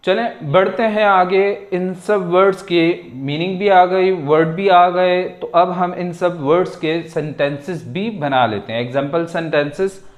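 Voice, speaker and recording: A man teaches English vocabulary. He is patient and repeats each word and sentence slowly. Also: high voice. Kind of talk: slow vocabulary lesson. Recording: echoey room.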